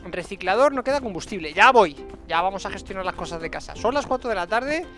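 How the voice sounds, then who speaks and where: A young man with a Castilian Spanish accent talks through a game in a chatty, playful way. His voice has plenty of fry and gravel in it. He speaks into a headset, with game music clearly behind him. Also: sits high, expressive, fast, sharp tone. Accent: Spanish from Spain. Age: young adult. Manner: chatty, playful self-talk with diminutives. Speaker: video game streamer. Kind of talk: casual gameplay commentary. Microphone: headset microphone.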